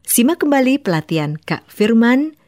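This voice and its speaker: A woman narrating an educational program for children, speaking in a clear, instructive way. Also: on the high side, big pitch swings, normal speed, darkish tone.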